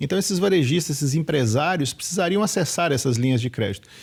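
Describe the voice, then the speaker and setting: A somewhat breathy man with a Minas Gerais accent, fairly high pitch, ordinary pitch variation, and a fairly quick pace. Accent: mineiro. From Minas Gerais, Brazil. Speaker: business consultant and board member. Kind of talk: TV interview.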